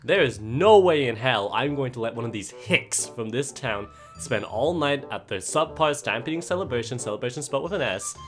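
A bossy, bookish cartoon unicorn mare voiced by a woman, forever exasperated and sarcastic. The delivery swings widely in pitch over soft background music. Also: expressive, normal speed, few pauses. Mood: scornful. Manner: dry, cutting sarcasm. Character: sardonic, exasperated female unicorn pony, bossy intellectual. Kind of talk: cartoon parody dub. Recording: music behind.

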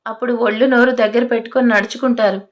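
A woman voicing a furious, fearless male police officer who shouts threats. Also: on the high side, steady tone, fast, lightly acted.

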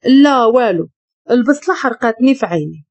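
A woman's voice: fairly high pitch, expressive, a little fast, darkish tone, highs cut off. A woman with a Moroccan Arabic accent voicing a timid young homeless woman, meek and nervous.

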